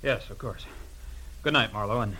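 A man's voice: on the low side, moderate pace, pushed and bright. An actor playing a shaken, subdued and courteous male murder suspect in 1940s radio drama style, speaking hesitantly. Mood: shaken, polite. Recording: noisy old radio recording.

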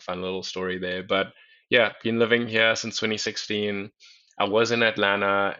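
Male, 30s, from South Africa, podcast guest; even, easygoing, muted recording. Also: low voice. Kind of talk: casual podcast chat. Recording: dull lo-fi sound.

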